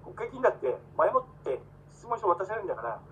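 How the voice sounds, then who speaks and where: A man's voice: sits high, sing-song, fast talker, a bit bright, breathy edge, rough recording. A man appearing as a guest in a casual live-stream chat, earnestly giving preachy life advice.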